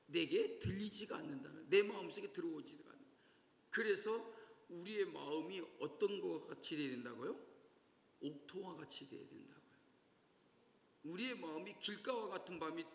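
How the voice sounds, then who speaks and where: Lively preaching man in echoey church. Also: sits high. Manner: lively, asks the congregation questions. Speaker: pastor. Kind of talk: sermon. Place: church sanctuary. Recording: echoey church hall reverb.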